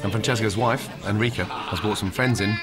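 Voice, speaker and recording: A man's voice: lowish voice, fairly quick. A man reading a matter-of-fact voice-over for a reality TV show. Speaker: narrator. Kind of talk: scripted TV voice-over. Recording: voice-over over loud music bed.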